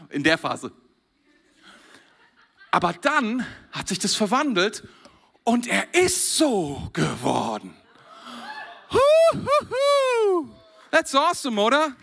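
German male preacher, high bright voice, animated sermon with frequent chuckles. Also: slow pace, creaky, pauses often, slight background noise. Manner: animated, chuckles often between phrases. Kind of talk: lively sermon to a congregation.

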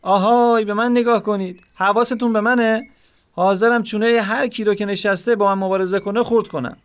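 A man's voice: medium pitch, natural voice. A man playing a proud, earnest father with a disability, addressing people directly and emphatically in a dramatized story. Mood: defiant shouting challenge.

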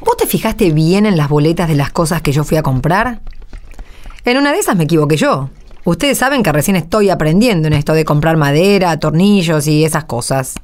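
A woman's voice: deep voice, lively intonation, brisk, darkish tone. An actress playing a conciliatory woman from a workshop group in a radio play, with a Rioplatense accent. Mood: concerned. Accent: Rioplatense Spanish. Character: conciliatory woman, novice buyer and seller for workshop. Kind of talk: radio play acting, conversational.

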